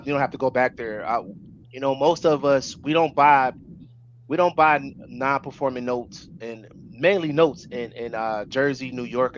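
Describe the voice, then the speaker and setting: Man co-hosting, dull lo-fi call audio. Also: medium pitch. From Ohio, United States. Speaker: webinar co-host asking questions. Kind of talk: casual webinar chat. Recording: dull lo-fi call, faint noise.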